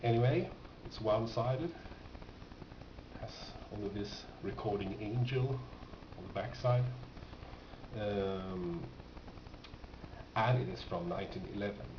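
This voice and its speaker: Speaking slowly with long pauses, this man has a lowish voice as he presents his record finds off the cuff. He rambles and hesitates, working out his thoughts as he goes. Captured at home, the audio is noisy, muffled, distant and roomy.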